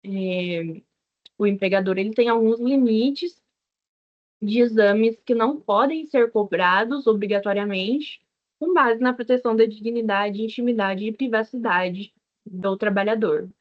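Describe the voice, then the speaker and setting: A young woman with a Brazilian Portuguese accent, a teaching assistant giving a law review lesson, explaining step by step with fillers and pauses. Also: mid-range voice. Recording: dull lo-fi lecture recording.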